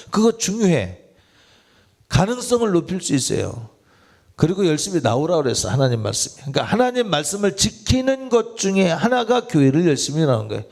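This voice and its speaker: A man with a fairly high, gravelly voice and a darkish tone preaches in a church sanctuary. As pastor, he keeps his sermon conversational and asks the listeners direct questions.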